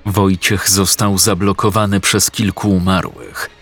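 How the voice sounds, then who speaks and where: A man narrating a dark horror audiobook in a slow, grave storytelling manner. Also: sits low, flat delivery. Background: faint music.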